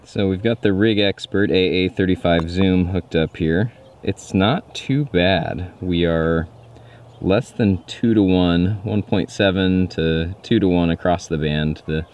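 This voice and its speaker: A man's voice: sits low, takes it slowly, a little mellow. A man in his thirties talking casually for a vlog, musing aloud as he goes. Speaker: amateur radio video maker. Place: garage workshop and open field.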